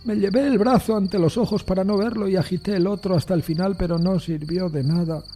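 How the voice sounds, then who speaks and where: A man playing a distraught, deferential Victorian train driver who recounts a fatal accident in a halting, pleading way. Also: sits high, fairly even intonation, dark tone, soft background music, pitched above the performer's own voice, lightly acted. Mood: anguished.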